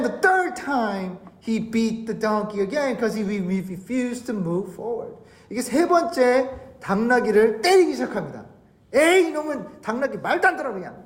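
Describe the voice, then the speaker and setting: A woman pastor preaching a sermon as an animated storyteller who retells each part in a second language, in a church sanctuary through a pulpit mic. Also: medium pitch, echoey room. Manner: animated storyteller, repeats herself in two languages.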